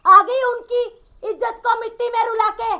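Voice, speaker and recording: A performer voicing a nagging, quarrelsome old mother-in-law in a cartoon skit, in a high squeaky voice. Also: flat delivery, normal speed, muffled recording. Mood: scolding.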